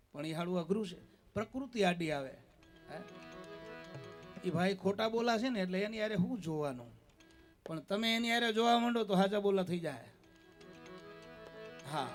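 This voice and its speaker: A man with a Kathiawadi Gujarati accent giving a devotional discourse full of folk stories, often checking in with his listeners with a quick "eh?". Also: high voice. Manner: keeps asking listeners "eh?" as a tag; folksy, storytelling delivery. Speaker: spiritual discourse speaker.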